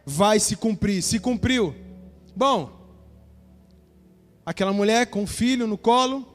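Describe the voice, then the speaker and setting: Man preaching, high-pitched voice, storyteller acting out dialogue, reverberant church hall. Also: slow, faint music behind. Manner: storytelling preacher, acts out dialogue, addresses congregation. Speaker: pastor. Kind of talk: sermon.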